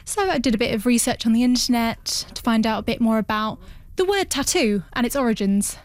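A woman voicing a guest's answers as a sign language interpreter in a radio studio, measured and pausing. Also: fairly high pitch, expressive. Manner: measured, with pauses and restarts.

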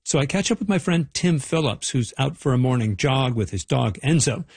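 A male radio reporter with a gravelly, husky voice delivers his feature with wry, playful narration. The sound is close and dry, with no room around him. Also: mid-range voice, animated, normal speed, darkish tone, no echo.

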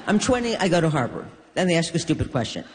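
An older woman from New York, a guest in an onstage conversation, telling stories with wry, deadpan humor. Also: on the low side, moderate pace, heavy background noise. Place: stage in a hall. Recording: long reverb of a large hall.

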